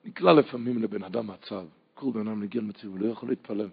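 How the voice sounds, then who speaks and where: A man preaching a Torah sermon as a rabbi, with an Ashkenazi Hebrew pronunciation and Yiddish words, moving from hushed teaching to fervent crying out. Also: on the low side, gravelly, slight background noise. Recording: muffled lo-fi recording.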